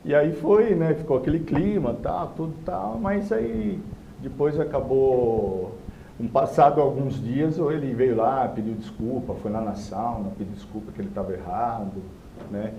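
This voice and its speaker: A man's voice: mid-range voice, moderate pace, gravelly, lo-fi sound, slight background noise. Man telling a story, roomy sound. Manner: animated, acts out quoted voices. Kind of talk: casual storytelling.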